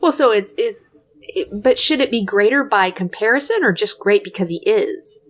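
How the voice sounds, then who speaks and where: Her medium-pitched voice is animated and moves at a moderate pace as she co-hosts a laid-back podcast chat. She thinks out loud, qualifies her points, and keeps restarting with "I mean."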